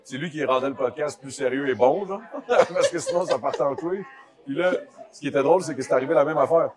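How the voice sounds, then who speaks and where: A Québécois French-accented man tells stories eagerly and fast as a rapper guest. His voice runs a little higher than most. Heavy restaurant crowd noise surrounds him. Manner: animated, enthusiastic storyteller. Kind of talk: casual chat.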